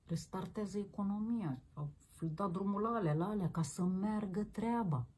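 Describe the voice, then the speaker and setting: A woman with a warm, husky, medium-pitched voice hosts a political commentary show. Her rant is combative, crude and mocking, dotted with slang address.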